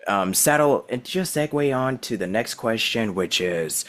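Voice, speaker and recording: A man's voice: mid-range voice, animated, unhurried, fairly bright tone. A man from Southern California hosting a casual voice-acting interview, rambling with lots of fillers and laughing easily. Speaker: podcast host.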